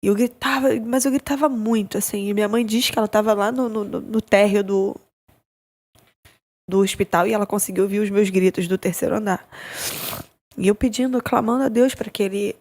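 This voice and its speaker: A young adult woman, giving an emotional personal account as a podcast guest, halting and repeating her words. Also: mid-range voice, steady tone, darkish tone. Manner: halting, with many repeated words and tag questions.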